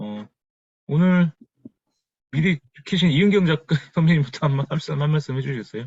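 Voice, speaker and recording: A man's somewhat breathy, fairly high voice at a moderate pace, with ordinary pitch variation and long, frequent pauses. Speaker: writing instructor. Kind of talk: online writing class. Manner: blunt, curt tone.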